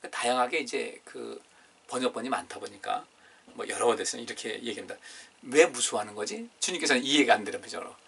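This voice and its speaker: At a Friday prayer meeting in church, a male pastor preaches conversationally, reading scripture aloud and questioning the congregation. His mid-range voice is fast and fairly bright, with vocal fry and a breathy edge, heard through a distant, room-miked recording.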